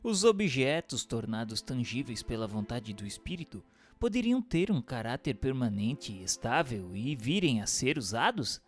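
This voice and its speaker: Male narrator, mid-pitched and very animated, formal declamatory scripted read over faint music. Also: normal speed, hardly any pauses. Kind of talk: scripted dramatized reading of a spiritist book.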